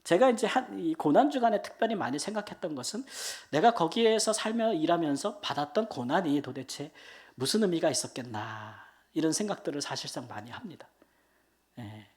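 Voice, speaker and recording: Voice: mid-range voice, sing-song, brisk. Emotional missionary speaker in their 50s. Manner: emotional, colloquial, repeats fillers, swings loud and soft. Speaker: missionary giving testimony. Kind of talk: emotional church testimony. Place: church prayer meeting.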